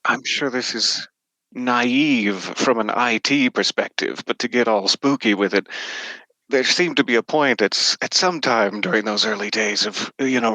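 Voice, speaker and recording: Bright, forceful-voiced man chatting. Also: medium pitch, no echo, low-quality recording. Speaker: podcast guest, horror narrator and voice actor. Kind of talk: casual interview chat.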